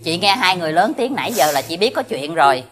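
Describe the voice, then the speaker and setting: A woman's voice: lowish voice, very animated, fast talker. A lamenting neighbor woman. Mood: concerned. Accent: Southern Vietnamese. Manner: lamenting, sympathetic. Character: worried middle-aged neighbor woman. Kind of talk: TV crime reenactment drama.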